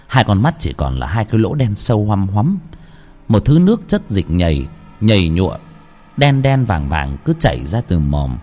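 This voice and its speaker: A man narrating a horror story in a slow, dramatic scripted style. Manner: slow, dramatic, lively pitch. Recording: long hall reverb, faint music.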